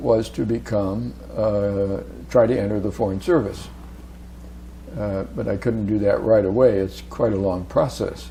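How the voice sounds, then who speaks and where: Over noticeable background noise and audible room echo, a man with an American accent speaks at a fairly low pitch and a fairly slow pace, using very wide pitch swings. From US Midwest, Springfield, Illinois. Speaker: retired diplomat. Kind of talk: interview. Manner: halting, many fillers.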